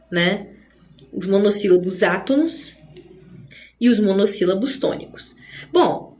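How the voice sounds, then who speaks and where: Slow, patient Brazilian woman teacher. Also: a little high. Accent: Brazilian Portuguese. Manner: slow, patient explaining with frequent "né?" and "tá?" checks. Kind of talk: online grammar lesson.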